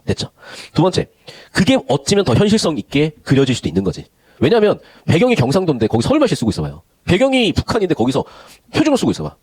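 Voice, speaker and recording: A man gives a Korean literature lesson at a very fast clip. His pitch swings widely and sits a little high. He slides between polite and casual speech. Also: darkish tone, slightly rough. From Gyeongsang region of Korea. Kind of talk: online lecture.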